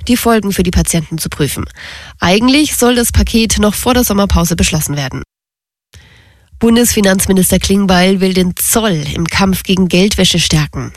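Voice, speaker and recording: A woman's voice: medium pitch, dry recording. A woman reading scripted radio news as a newsreader in a studio.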